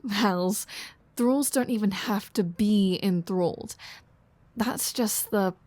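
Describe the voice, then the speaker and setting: A woman's voice: medium pitch, darkish tone, no room sound, lightly acted. A woman playing a flirty, sardonic female vampire in an intimate roleplay audio drama, teasing and casual. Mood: casual explaining. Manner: teasing, casual, sardonic, with sighs and drawn-out phrasing.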